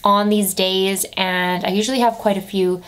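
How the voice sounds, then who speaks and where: A woman's voice: mid-range voice, fairly even intonation, moderate pace, a bit bright, smooth. Young woman, mid-twenties, chatty beauty vlogger, casual and upbeat, camera at desk distance. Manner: chatty, upbeat, lots of "like" fillers. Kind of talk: casual monthly favourites chat. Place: bedroom with desk and lamp, indoors.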